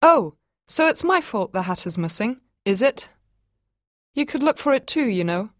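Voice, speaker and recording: A woman voicing an exasperated young mother who snaps and shouts at her husband. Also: sing-song, moderate pace, no room sound, studio quality. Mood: irritated. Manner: shrill and frantic when arguing.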